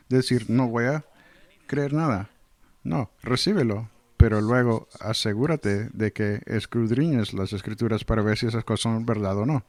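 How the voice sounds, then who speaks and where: A man's voice: on the low side, a little mellow, no room sound. Earnest male preacher, dry close sound. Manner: earnest, explanatory, reads scripture then comments. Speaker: Spanish translator of a pastor's sermon. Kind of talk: verse-by-verse sermon teaching.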